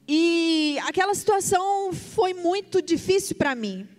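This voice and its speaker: A woman's voice: very high-pitched, animated, unhurried, darkish tone. A woman pastor telling a story in a sermon, emotional and vivid, acting out the dialogue. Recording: long hall reverb.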